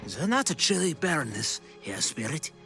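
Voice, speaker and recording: An actor playing Scrooge as a wistful, excitable old man in an audio drama, dramatic and given to both hushed murmurs and exclamations. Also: fairly high pitch, normal speed, music in the background. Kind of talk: theatrical audio drama acting.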